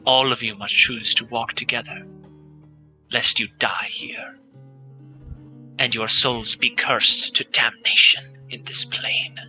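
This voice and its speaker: A solemn, cryptic fortune-telling woman of a tabletop fantasy game, played by a man, speaks low and hushed. Each grave warning is delivered with ominous weight, over soft plucked guitar music. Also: fairly even intonation, whispered, poor audio. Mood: hushed foreboding. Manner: slow, grave, hushed pronouncements.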